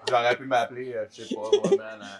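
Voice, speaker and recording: A man's voice: mid-range voice, huge pitch swings, fast, a loud crowd. A man, a rapper guest with a Québécois French accent, chatting in a laid-back way and saying "man" often. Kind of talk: casual chat. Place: restaurant.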